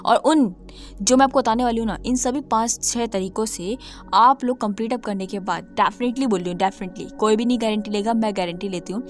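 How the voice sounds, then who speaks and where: Woman tutor with a slightly hoarse throat, emphatic and repetitive, over soft background music. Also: on the high side, fairly quick. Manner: emphatic, repeats points, mixes English terms into speech. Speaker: coding tutor. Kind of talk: casual talk-to-camera lesson.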